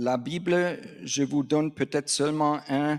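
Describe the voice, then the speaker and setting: A man with a non-native accent and a fairly high pitch. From German-speaking Switzerland. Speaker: missionary. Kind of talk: sermon. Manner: halting.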